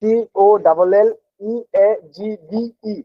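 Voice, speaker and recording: A man's voice: high voice, slow pace, no echo. Young man spelling aloud over a lo-fi call. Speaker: student. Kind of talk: spelling a word aloud in class. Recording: dull lo-fi call audio.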